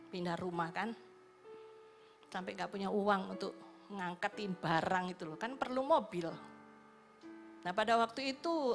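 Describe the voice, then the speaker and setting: A woman evangelist giving a sermon testimony, telling her story in a lively way and acting out the people in it. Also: mid-range voice. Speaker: evangelist preacher. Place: church service.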